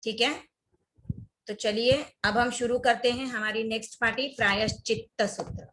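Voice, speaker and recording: A woman's voice: a little high, fairly even intonation, moderate pace, a bit bright, low-quality recording. A young woman teaching an online class, reciting prayer words one at a time and repeating each twice for her students.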